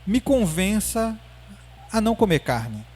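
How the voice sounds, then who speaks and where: A patient woman psychiatrist coaxes a child into talking, gentle and unhurried, as a man quotes her in a lecture. The voice sits a little high. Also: sing-song, exaggerated voice. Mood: coaxing.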